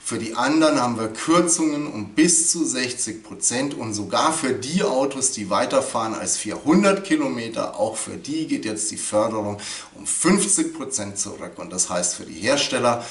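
A man's voice: mid-range voice, animated, moderate pace. A man in his forties hosting a stock market video, speaking earnestly and emphatically to camera in a living room. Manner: earnest, emphatic, addresses viewers formally. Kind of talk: investment commentary to camera. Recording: echoey room, mic at a distance.

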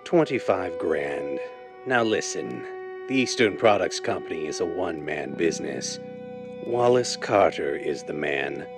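An actor playing a blind, domineering gangster boss in an old-time radio drama, curt and menacing. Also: male voice, low voice, lively intonation, measured pace, over music. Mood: cold, menacing. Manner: curt, commanding.

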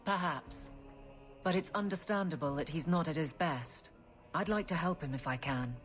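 Female guard captain, actress: no-nonsense, formal, slightly low voice, game dialogue. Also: moderate pace, soft background music, lightly acted. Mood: earnest, firm. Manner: firm, scolding, formal.

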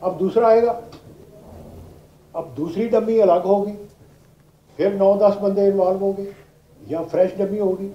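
Pausing often and speaking unhurriedly, this retired judge delivers a law lecture in a high, fairly even voice. He is an older man with a Pakistani accent who explains methodically, repeats himself and drops in English legal terminology. Background noise and a roomy, dull sound mark the classroom.

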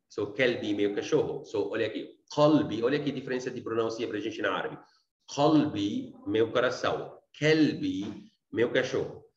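A man with an Arabic accent teaches an online beginners' class at an even, middle pitch. He repeats phrases and keeps checking in with his students. The sound is dull and a little roomy. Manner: repeats himself, checks in often with tá and gente. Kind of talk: online language lesson.

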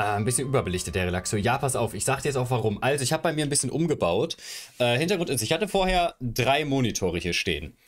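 Rambling young man streaming from home. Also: mid-range voice. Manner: chatty, rambling while fiddling with his camera setup. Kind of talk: casual live stream chat. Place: home room, indoors. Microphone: headset.

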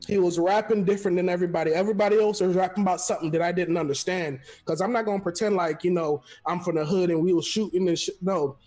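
A young man from Florida, a guest telling stories in an animated, rambling way over a headset from his living room. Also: sits high, fast talker, few pauses. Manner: animated, laughs often, rambling storyteller. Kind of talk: casual video call chat.

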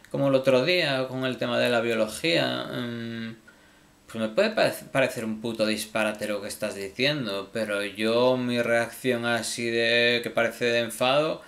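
Man in his own vlog, mid pitch, gravelly, stumbling over words, apologetic. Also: a bit bright. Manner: halting, repeats words, swears casually. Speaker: video creator. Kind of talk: casual apology to viewers.

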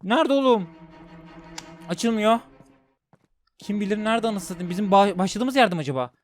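A man's voice: high-pitched, animated, normal speed, soft background music. Jumpy male gamer narrating his play. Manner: talks to viewers while playing, jumpy and loud when scared. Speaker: gaming streamer. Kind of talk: horror game let's play commentary.

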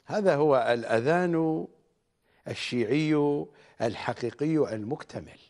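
Slow, deliberate man lecturing on religion. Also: on the high side, darkish tone. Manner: deliberate, emphatic, rising on key words. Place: studio.

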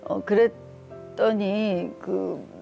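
A woman's voice: medium pitch, steady tone, very slow, creaky, warm tone, soft background music. A middle-aged woman, a guest on a talk show, gives an earnest, emotional testimony and retells what was said between her and her daughter.

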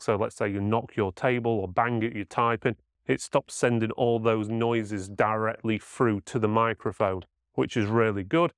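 A man's voice: medium pitch, dry recording, clean studio sound. A man giving a casual, matter-of-fact hands-on product demonstration as a reviewer.

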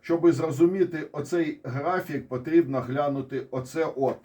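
A man's voice: on the high side, normal speed, warm tone. A man with a Ukrainian accent giving casual, ironic commentary on war charts, digressing and restarting often. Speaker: military commentator.

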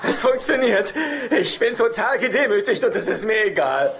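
An actor playing a neurotic, self-pitying middle-aged brother in a dubbed sitcom, wordy and whiny. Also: male voice, high-pitched, animated, normal speed, background noise. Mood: tipsy, elated.

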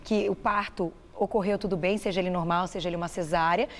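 A woman's voice: lowish voice, fairly even intonation, fast, long reverb tail. A woman hosting a TV talk show, talking effusively, telling personal anecdotes and addressing the audience.

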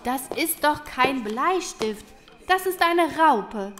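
A knowing little storybook critter, played by a woman. The voice is high and matter-of-fact. It explains things with calm certainty. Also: slow, noisy background. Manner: explanatory, sure of herself. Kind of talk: audio drama acting for children.

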